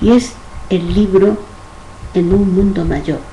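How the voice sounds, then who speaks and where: With audible room echo and noticeable background noise, a woman talks at a very slow pace. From Galicia, Spain (rural Lugo, Becerrea). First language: Galician (speaking Spanish). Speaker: spiritist speaker. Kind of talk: lecture.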